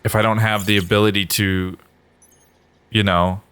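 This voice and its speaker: A man's voice: fairly low pitch, level tone, moderate pace, a bit bright, a little hiss or hum. A man giving casual, profane let's-play commentary, exasperated as he plays. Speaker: gamer playing through a video game. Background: game music.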